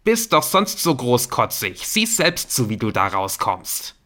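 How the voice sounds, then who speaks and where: A man's voice: medium pitch, sing-song, unhurried, pushed and bright. A man voicing a smug, aggressive schoolboy who sneers at his classmates in an audiobook. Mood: sneering. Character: smug bullying schoolboy, short and pudgy.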